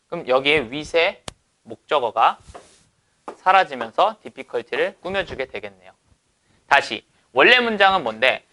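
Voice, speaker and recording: Lively, bright-voiced male teacher. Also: on the high side. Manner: asks rhetorical questions and answers them. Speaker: English teacher. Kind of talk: lecture explaining exam passages.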